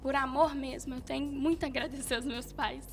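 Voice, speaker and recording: A young woman from Minas Gerais with a Mineiro accent, a guest singer telling her story with animated, laughing self-quotes. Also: high voice, fairly quick, soft background music. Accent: Mineiro Brazilian Portuguese. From Minas Gerais, Brazil. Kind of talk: casual interview chat.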